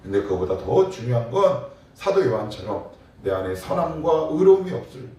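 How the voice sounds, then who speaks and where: A man's voice: medium pitch, big pitch swings, brisk, dark tone. A middle-aged man preaching a morning prayer sermon, asking his congregation questions in a conversational way. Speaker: pastor. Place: church sanctuary. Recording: echoey church from a distance, faint background hum.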